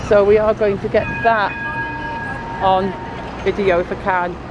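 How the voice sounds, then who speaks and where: A woman's voice: mid-range voice, little pitch movement, a little slow, lo-fi sound. Chatty woman vlogging outdoors. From Blackpool, England. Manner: chatty, rambling, friendly asides to viewers. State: sniffly. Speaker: local vlogger. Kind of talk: casual walking commentary. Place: outdoors by a building site and tram stop. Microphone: handheld camera filming as she walks. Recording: loud outdoor traffic noise. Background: passing cars and trams.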